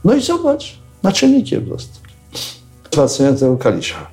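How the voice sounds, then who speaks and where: An older man telling anecdotes in a casual, animated way, acting out what others said. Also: a little high, normal speed, soft background music. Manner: animated storyteller who acts out quotes and tags lines with "nie?". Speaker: interviewee recalling militia days.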